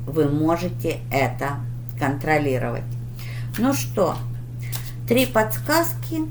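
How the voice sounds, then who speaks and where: A woman reading tarot for her viewers in a deliberate, instructive manner, with pauses and emphatic advice. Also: deep voice, a little hiss or hum. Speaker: tarot reader hosting her channel.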